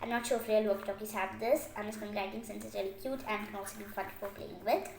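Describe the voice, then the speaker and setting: A woman's voice: medium pitch, steady tone, fast, vocal fry. A woman hosting a casual step-by-step craft tutorial, often padding her phrases with "like" as she explains. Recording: echoey room with faint noise, clicks.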